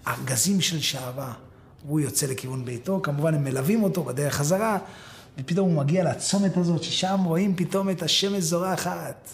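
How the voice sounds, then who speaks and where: High-voiced male preacher telling a parable. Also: gravelly, a little hiss or hum. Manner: animated, acts out the story's voices, addresses listeners directly. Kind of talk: sermon with dramatic storytelling.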